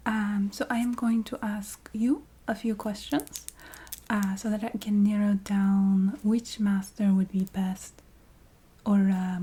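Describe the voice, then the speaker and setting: A woman playing a courteous, matter-of-fact vampire receptionist in a soft-spoken ASMR roleplay, half-whispering in a put-on Eastern European accent with halting, formal phrasing. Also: medium pitch, breathy edge. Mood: welcoming, businesslike. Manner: halting, formal phrasing with small hesitant hums.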